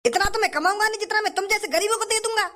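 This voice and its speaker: A man's voice: very high voice, racing, sharp tone. A man voicing a stingy, rude male shopkeeper. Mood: scornful. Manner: scornful, rustic dialect.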